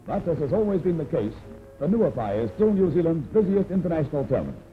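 A man narrates an old newsreel in a formal, announcing way, his fairly high voice rising and falling with lively emphasis. The sound is thin and tinny, like a phone line. Loud music plays beneath him. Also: fast.

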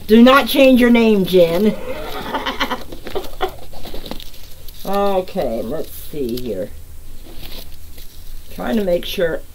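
A woman's voice: a little high, low-quality recording. A woman hosting her own channel, chatting casually with viewers as she draws giveaway winners and greets them by name. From United States. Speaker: resin artist and channel host. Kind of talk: casual live giveaway chat.

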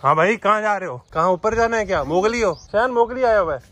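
High-voiced man teasing kids outdoors. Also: animated, quick pace. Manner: playful, teasing, coaxing. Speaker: vlogger. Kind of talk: casual vlog with children. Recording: noisy outdoor camera audio.

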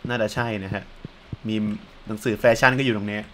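A young man giving casual, chatty commentary while playing a farming game, often breaking into excited exclamations. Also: on the low side, a little fast, a little hiss or hum. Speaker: let's play gamer.

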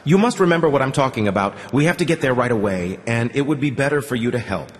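A man's voice: medium pitch, animated, fast, long reverb tail, lightly acted. A man voicing a blunt, sarcastic middle-aged soldier who leads a squad. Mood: businesslike.

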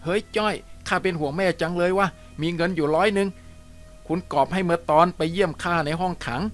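A man voicing a troubled teenage boy who talks bluntly in rough slang. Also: sits high, fairly quick, soft background music, lightly acted.

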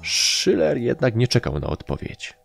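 A man reading a humorous story aloud as an audiobook narrator, with lively storytelling. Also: mid-range voice, unhurried, creaky, soft background music. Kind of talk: scripted narration.

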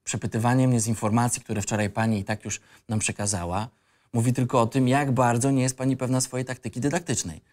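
A rebellious young male student acted by a man with a medium-pitched voice. He sounds ironic and insolent, yet inward-looking, as if in a radio play about a disillusioned youth. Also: flat delivery, quick pace, a little mellow, close to an everyday voice. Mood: cheeky, defiant. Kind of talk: script reading for audio drama.

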